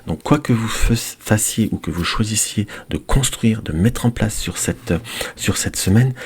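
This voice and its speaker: Hoarse, very low-voiced male card reader; chatty weekly guidance, faint hiss. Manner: chatty, addresses viewers as dear friends; counts cards aloud softly. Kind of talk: weekly tarot guidance video. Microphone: desk microphone.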